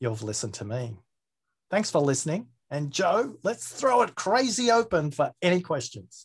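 With an Australian accent, a man talks at a moderate pace. His high pitch moves in very wide swings. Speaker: listening expert and speaker. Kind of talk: webinar talk. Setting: video call webinar.

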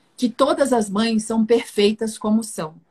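Somewhat breathy, a woman speaks at a fairly high pitch and a fairly slow pace. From Brazil, São Paulo. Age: 50s. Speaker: family constellation therapist. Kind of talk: live stream interview.

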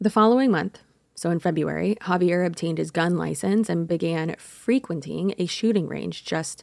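Here is an ordinary speaking voice at a moderate pace. Its pitch variation is ordinary. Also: woman. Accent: General American. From United States. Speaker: podcast host. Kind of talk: scripted true-crime narration. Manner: casual, chatty.

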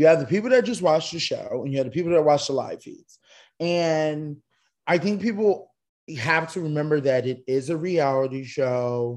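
A plain, everyday voice from a man with a fairly high pitch, lively intonation, a moderate pace and an American accent. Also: quiet background. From Philadelphia, US. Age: 30s. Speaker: reality TV contestant. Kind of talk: interview. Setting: video call.

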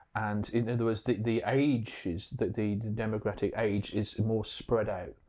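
A man with a southern English accent talks at a fairly low pitch in a dark, mellow tone. His pace is fairly slow and his intonation fairly even over a quiet background. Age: 40s. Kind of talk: interview conversation. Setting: temple.

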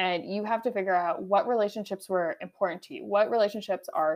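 A woman talks at a fairly quick pace with ordinary pitch variation. It is a plain, everyday voice. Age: 20s. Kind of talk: casual chat.

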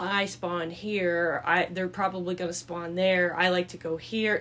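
Noticeable background noise behind a speaker with an American accent. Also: woman. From Indianapolis, US Midwest. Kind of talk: casual chat.

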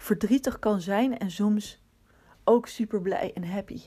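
A woman speaks very slowly in a fairly high pitch, somewhat breathy. Her tone is dark and mellow. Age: 20s. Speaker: coach for people with language disorders. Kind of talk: personal monologue podcast. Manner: halting, with many fillers.

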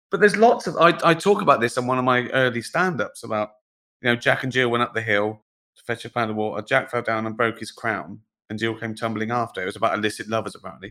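Talking at a very fast pace with an English accent, a man has a medium pitch, a bright, sharp tone, lively intonation and big swings in loudness. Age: 50s. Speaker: comedian. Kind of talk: casual chat.

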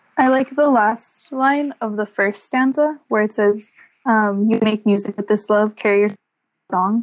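At a fairly slow pace, a woman with an unremarkable speaking voice talks at fairly high pitch with ordinary pitch variation. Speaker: podcast host. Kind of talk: casual discussion of poetry.

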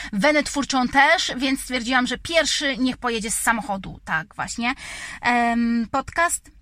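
A woman speaks at a fairly slow pace in a raised, projected voice, her high pitch carrying a bright, sharp tone with ordinary pitch variation. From Poland, Lower Silesia (Bogatynia). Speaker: podcaster. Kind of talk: casual monologue. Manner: animated.

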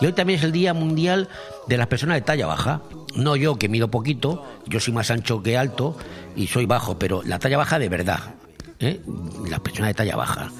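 Music in the background behind a medium-pitched man at a fairly quick pace, with very wide pitch swings, long, frequent pauses and very even loudness. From Spain, Madrid. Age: 60s. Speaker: radio host. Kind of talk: casual chat. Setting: studio. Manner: animated.

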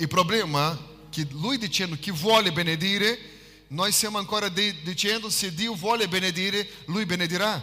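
A man talks in a raised, projected voice that sits high in pitch. He keeps a moderate pace with ordinary pitch variation. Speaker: pastor. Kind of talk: sermon. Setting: church. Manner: animated.

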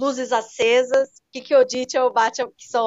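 This woman's voice is high in pitch. She talks at a fairly slow pace. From Brazil, São Caetano area. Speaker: guest speaker on Japanese culture. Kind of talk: casual interview.

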